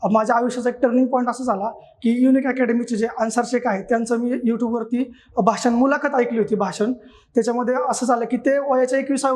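This man's voice is extremely high in pitch, and his intonation stays fairly even. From Maharashtra, Solapur district. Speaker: police sub-inspector, exam topper. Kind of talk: success-story testimonial.

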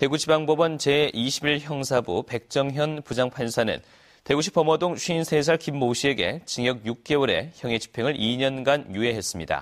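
In a very clean recording with a silent background, a man with a normal speaking voice talks fairly slowly at a fairly high pitch, with ordinary pitch variation. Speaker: news anchor. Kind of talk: news reading.

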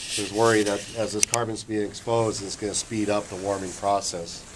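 The speech comes at a fairly quick pace with monotone, flat intonation. Background noise is noticeable. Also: man. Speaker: scientist tour guide. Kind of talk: guided tour explanation. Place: tunnel cave. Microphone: camera far.

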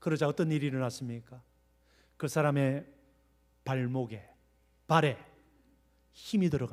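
A man speaks with passion at a moderate pace and fairly high pitch, with ordinary pitch variation and long, frequent pauses. The recording is very clean, with a silent background. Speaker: preacher. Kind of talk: sermon to a congregation, preacher in full flow. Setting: church. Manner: passionate, urgent, rising in intensity, pleading with the congregation; repetitive, rhetorical questions, direct address to 'you all'.

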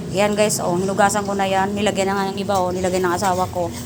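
The speech comes at a very fast pace. Noticeable background noise and audible room echo surround it. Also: woman. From Bicol, Philippines. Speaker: vlogger. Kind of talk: casual cooking vlog.

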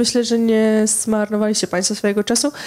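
A woman talks at a fairly quick pace. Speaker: festival council representative. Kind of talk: introductory announcement to audience. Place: hall. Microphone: handheld.

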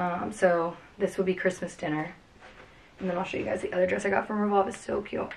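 Talking at a fairly quick pace, a woman has an ordinary speaking voice, fairly low in pitch with fairly even intonation. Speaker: vlogger. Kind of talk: casual vlog chat. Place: home room. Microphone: camera far.

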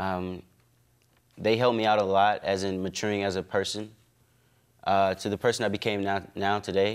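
Someone with an American accent speaks at a moderate pace in a monotone, flat intonation over a quiet background. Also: man, fairly low pitch for a man. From Texas. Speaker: college baseball player. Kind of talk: interview. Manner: halting. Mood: relaxed, modest, friendly. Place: studio. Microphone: lapel.

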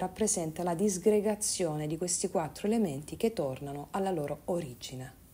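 A woman's calm, soothing voice, fairly low in pitch, with ordinary pitch variation and a dark, mellow tone on a very clean recording against a silent background. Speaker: holistic coach and tarot reader. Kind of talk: guided meditation. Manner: slow, soft, calm and soothing; warm, intimate, addressing viewers affectionately.

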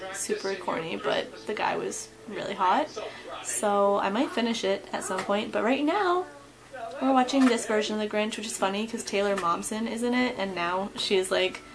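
A woman talks at a moderate pace with ordinary pitch variation, noticeable noise behind her. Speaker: vlogger mother. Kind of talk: casual vlog chat. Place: home room.

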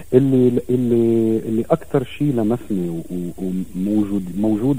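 A man speaks with lively intonation. His fairly low voice has a dark, mellow tone. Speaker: actor, storyteller. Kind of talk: interview answer.

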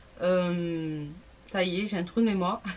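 A woman talks fairly slowly, her pitch rising and falling in an ordinary way. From France. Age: 20s. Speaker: YouTuber. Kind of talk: casual vlog chat. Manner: hesitant, many fillers. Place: home room. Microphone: camera far.

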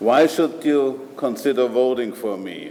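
Over noticeable background noise, a man speaks at a medium pitch with ordinary pitch variation. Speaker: school board candidate. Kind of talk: campaign speech at candidate debate.

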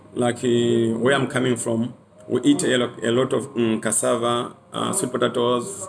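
Noticeable background noise runs behind this recording. A man talks with ordinary pitch variation. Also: moderate pace. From Malawi. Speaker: chef; interviewee. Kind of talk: casual chat. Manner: halting. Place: home room. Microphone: phone near.

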